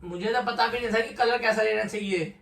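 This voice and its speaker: A man's voice: high voice, a little fast, gravelly, fairly bright tone. A man in a casual argument with his wife, sounding sleepy, curt and dismissive. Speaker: vlogger pranking his wife. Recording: echoey room, voice from a distance.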